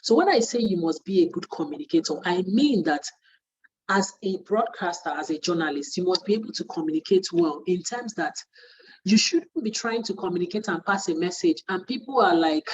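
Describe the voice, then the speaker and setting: A woman's voice: fairly low pitch, lively intonation, fairly quick, highs cut off, a little hiss or hum. A woman, a media training facilitator, teaches trainees in an earnest way and repeats her points for emphasis. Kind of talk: spoken lesson to trainees.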